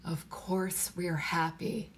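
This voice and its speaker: A woman's voice: mid-range voice, moderate pace, a little hiss or hum, natural voice. Woman reading as a weary, exasperated husband. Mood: tired, soothing. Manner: firm, tired, remonstrating.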